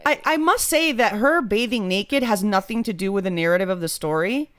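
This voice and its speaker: A woman's voice: mid-range voice, a little fast. A woman with a mid-range voice co-hosts a casual comedy podcast. She tells stories and comments on them in a blunt, wry and irreverent manner. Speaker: podcast co-host. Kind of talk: casual comedic storytelling chat.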